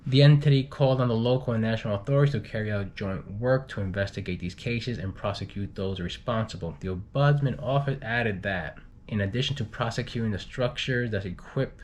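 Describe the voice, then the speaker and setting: A man reading travel news in an unpolished, halting way, stumbling over and repeating words. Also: fairly low pitch, a little mellow, a little hiss or hum. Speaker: guest news reader, group moderator.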